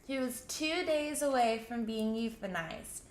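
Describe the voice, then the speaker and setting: A woman's voice: a little high, lively intonation, unhurried. A woman co-hosting a casual live morning show, telling a news story in a chatty way. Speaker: co-host. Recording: echoey room with faint noise.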